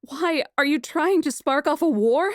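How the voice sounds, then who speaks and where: A woman's voice: high voice, expressive, a little slow, dry recording, clean studio sound, pitched above the performer's own voice. Woman acting out a defiant, imperious young princess. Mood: anguished fury. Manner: imperious, emotional, theatrical. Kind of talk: audiobook character acting.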